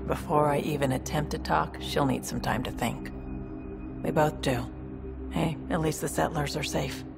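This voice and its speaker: Low-pitched, creaky, protective alien older sister, exasperated, video game drama. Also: female voice, steady tone, normal speed, over music. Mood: protective, tense.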